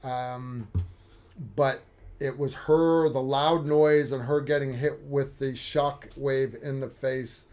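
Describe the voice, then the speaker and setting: A man hosting a casual livestream, talking in a relaxed, unhurried way with frequent fillers. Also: mid-range voice. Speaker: livestream host.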